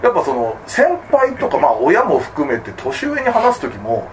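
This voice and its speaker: A man from Tsugaru, a comedian co-hosting a casual podcast chat, rambling and quick to laugh. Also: on the high side, wildly swooping pitch, slight background noise. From Tsugaru, Aomori, Japan.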